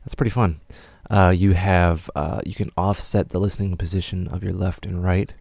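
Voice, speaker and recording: A man's voice: low-pitched, steady tone, normal speed, gravelly. A man giving a casual, offhand tutorial as a music production tutor, in a loosely explanatory, self-deprecating way. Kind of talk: casual software tutorial narration.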